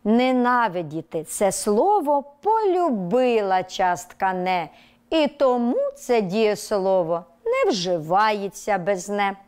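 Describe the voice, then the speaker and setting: Woman teacher dictating to little kids, slow careful words, lots of ups and downs. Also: medium pitch, clean tone. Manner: lively storytelling tone. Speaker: primary school teacher. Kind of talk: televised lesson for young children. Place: TV studio.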